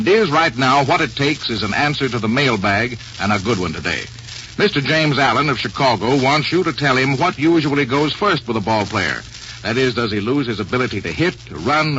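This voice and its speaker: Man, old radio announcer, 1940s broadcast style, formal and wordy, bright forceful voice, dull noisy vintage recording. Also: medium pitch. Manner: polished, formal wordy phrasing.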